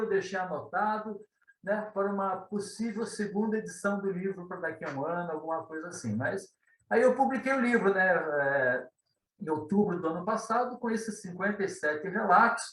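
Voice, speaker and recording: A man's voice: high-pitched, lively intonation, moderate pace, fairly bright tone, distant mic. A man, a guest telling his story in a meandering, hesitant way, often tagging his sentences with questions. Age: 50s. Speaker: guest, ufology author. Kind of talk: conversational interview storytelling. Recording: roomy echo.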